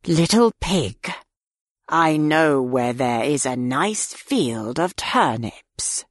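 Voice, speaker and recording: A woman voicing a menacing male wolf, dropping low and drawing out each threat. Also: lively intonation, no room sound, clean studio sound, heavily acted. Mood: sly. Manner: slow, low, drawn-out threats. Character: big bad male wolf, slow and menacing.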